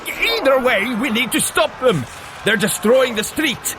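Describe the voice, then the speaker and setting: A man's voice: extremely high pitch, animated, unhurried, background noise. A man acting in an audio drama as a blustering, exasperated warrior thunder god, declamatory, indignant and plain-minded. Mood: suspicious, exasperated.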